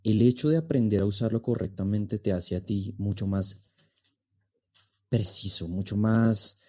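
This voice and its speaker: A man's voice: on the low side, a little slow, mellow. A man explaining things conversationally as an expert guest, in a didactic, emphatic way. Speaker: interview guest, speech and oratory coach.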